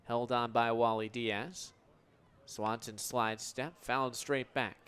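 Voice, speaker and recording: A man's voice: medium pitch, fairly even intonation, slow, fairly bright tone, clear, resonant tone. A young American man in his twenties calling sports play-by-play for radio in articulate, flowing descriptive calls. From United States. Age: 20s.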